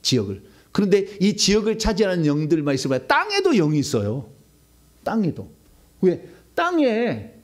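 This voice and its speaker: A male pastor preaching a sermon, swinging between loud outbursts and hushed asides. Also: fairly high pitch.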